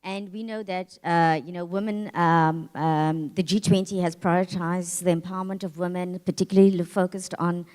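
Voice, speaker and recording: A woman moderating a conference panel, framing questions in a measured way with many fillers. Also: on the low side, fairly even intonation, a little mellow. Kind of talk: panel discussion. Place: conference hall. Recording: reverberant conference hall.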